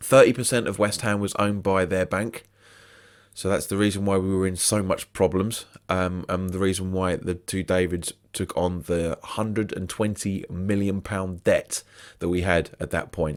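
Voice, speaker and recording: At a moderate pace, a man with a very deep, low pitch speaks with fairly even intonation on a very clean recording with a silent background. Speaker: football fan vlogger. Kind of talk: casual monologue.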